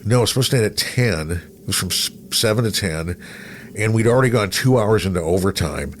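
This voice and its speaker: A man's voice: lowish voice, animated, a little fast. A middle-aged American man, a radio host, chatting casually in a rambling storytelling way and acting out what people said. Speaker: radio show host and broadcaster. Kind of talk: casual anecdotal chat.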